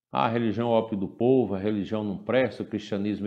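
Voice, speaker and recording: A man's voice with a dark, mellow tone. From Brazil. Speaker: bishop. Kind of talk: online conference talk, homily-style sermon. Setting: online conference, remote recording. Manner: formal, earnest; fervent, rhetorical, mocking of opponents. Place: office.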